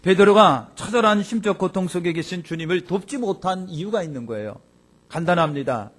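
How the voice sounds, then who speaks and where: A man preaching a sermon as pastor. He swings between loud exclamations and quiet asides. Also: expressive, a little fast. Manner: acts out quoted speech in a lower voice.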